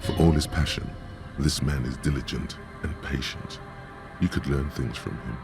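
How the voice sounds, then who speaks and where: A very deep, gravelly male narrator for a video game, laying out the scene in a measured, dry manner. Game music plays behind him. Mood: calm, dry. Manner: measured, dry descriptive delivery. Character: gravelly omniscient male narrator voice, calm and observant.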